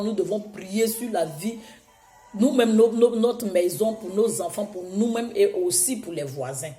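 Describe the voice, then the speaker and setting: A woman preaching a sermon, hoarse from a cold, exhorting her listeners with emphatic repetition. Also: on the low side, mellow, reverberant.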